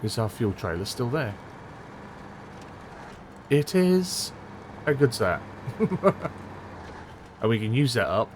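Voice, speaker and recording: A man's voice: medium pitch, big pitch swings, takes it slowly, pauses often, noisy background. A man, chatting casually through a video game and chuckling often, his voice a little strained. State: voice strained, close to losing it. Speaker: gameplay commentator. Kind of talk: casual let's-play commentary.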